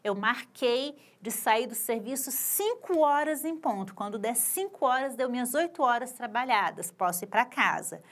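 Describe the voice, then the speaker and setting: A woman teaching English to adults, repeating each phrase slowly and patiently. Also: on the high side, lively intonation, a bit bright. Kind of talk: recorded video lesson for adult learners.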